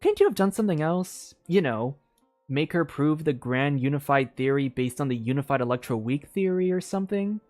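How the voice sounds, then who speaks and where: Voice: medium pitch, animated, brisk, a little mellow, no echo, soft background music, natural voice. A streamer voicing a skeptical, gossiping friend of a witch in a storybook read-aloud, chiding and questioning.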